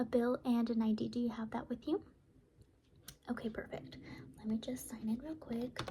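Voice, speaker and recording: A soft-spoken woman with a fairly high pitch talks at a moderate pace, leaving long, frequent pauses. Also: fairly even intonation. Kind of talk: ASMR librarian roleplay.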